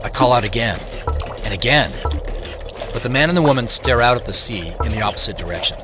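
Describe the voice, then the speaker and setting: A man playing an earnest, reflective tech executive, narrating and speaking in an audio drama in a measured, understated way. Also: medium pitch, animated, music in the background, natural voice. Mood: hushed wonder. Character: reflective Seattle tech CEO, earnest man narrating his own story. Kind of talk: first-person scripted audio drama narration and dialogue.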